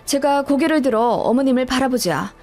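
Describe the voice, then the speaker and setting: A woman's voice: high-pitched, expressive, brisk, darkish tone, soft background music. A woman narrating a family story in an emphatic, dramatic storytelling manner.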